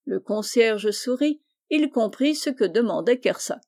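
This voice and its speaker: A woman narrating a classic children's novel as an audiobook, with steady, measured reading. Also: a little high. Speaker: audiobook reader. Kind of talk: scripted narration.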